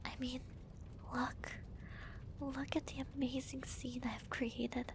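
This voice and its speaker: A woman playing a smug, theatrical villainess who gloats to her hero in a soft, breathy, deliberate whisper, as an ASMR roleplay. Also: high voice, little pitch movement, noisy background, exaggerated voice. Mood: smug, gloating. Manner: slow, deliberate, teasing, theatrical.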